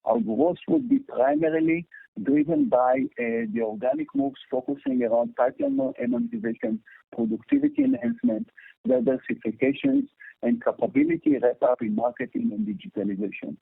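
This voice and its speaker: Indian exec guy reading earnings script on a thin phone line, really high raspy voice, trips on words. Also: sing-song, fairly quick, no room sound. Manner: formal, stumbles over words while reading. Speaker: company executive. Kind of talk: scripted earnings call presentation.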